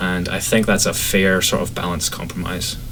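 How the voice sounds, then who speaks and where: A man speaks at a moderate pace in a very deep, low pitch. Noticeable background noise and audible room echo surround him. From Scotland. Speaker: artist. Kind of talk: casual chat.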